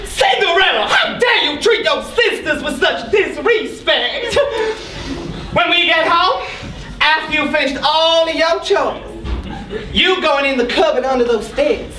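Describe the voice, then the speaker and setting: Casting: brash, domineering pantomime stepmother, very high and theatrical, on an echoey, noisy stage. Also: animated, pushed and bright, far from the mic, soft background music, heavily acted. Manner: exaggerated, drawn-out, domineering sassy delivery. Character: brash, sassy, bullying evil stepmother, pantomime dame. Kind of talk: bawdy amateur stage pantomime. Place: theatre stage before an audience. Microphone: distant audience camera.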